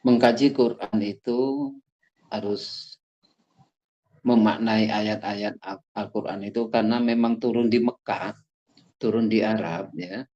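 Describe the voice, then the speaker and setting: A man adding explanations in a casual religious study talk, speaking in a measured, explanatory way. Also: on the low side, steady tone, mellow, muffled recording.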